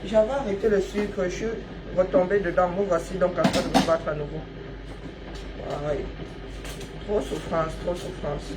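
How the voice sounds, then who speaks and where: A woman's voice: fairly low pitch, steady tone, moderate pace, very noisy. A woman, chatting casually on a live stream, greeting viewers by name and joking.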